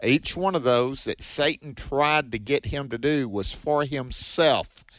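A man's voice: medium pitch, measured pace, fairly bright tone, no echo. Male co-host of a call-in radio Bible show, folksy with callers, dry studio sound. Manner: folksy, affectionate, calls people brother.

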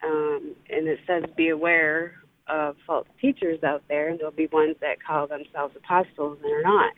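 A woman calls in over a narrow, tinny phone line. She is hesitant and fills her pauses with "um" as she asks her question. The sound is dry, with no room around it. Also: low-pitched, level tone, dry recording. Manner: hesitant, many "um" fillers. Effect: heard over the phone. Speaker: caller. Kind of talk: call-in question to a radio show.

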